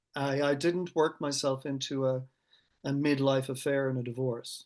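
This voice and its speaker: A man with an Irish accent talks at a moderate pace and fairly high pitch. His intonation is monotone and flat, over a quiet background. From Ireland. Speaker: paediatric anaesthetist. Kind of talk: casual chat. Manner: halting.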